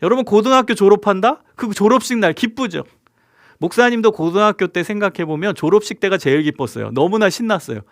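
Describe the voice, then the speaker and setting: A man preaching as a pastor to young people, animated and asking the audience many questions. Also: sits high, fast, no echo, clean studio sound. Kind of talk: youth sermon.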